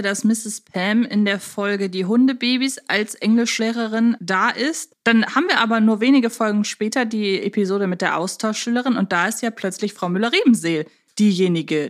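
A woman hosting a podcast, casually analysing in conversation. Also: mid-range voice. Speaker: podcast host. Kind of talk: casual analytical fan discussion.

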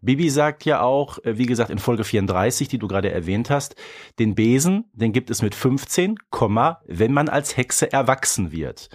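A man's voice: medium pitch, lively intonation, normal speed. Man co-hosting a casual fan podcast. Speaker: podcast co-host. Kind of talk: casual podcast discussion of audio dramas.

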